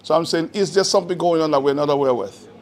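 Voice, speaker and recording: A man's voice: on the high side, fast talker, slight background noise. A man putting questions as a reporter at a press conference, persistent, hedging and rephrasing as he goes.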